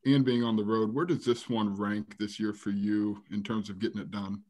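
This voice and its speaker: A man's voice: fairly low pitch, flat delivery, moderate pace, a little mellow. A man, a reporter at a press conference, asking a direct question.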